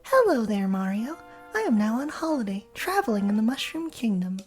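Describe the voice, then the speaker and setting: A man putting on a cheerful young video-game princess, sweet and breezy with a bossy streak. The voice sits high and lilts up and down. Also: very animated, a little fast, soft background music.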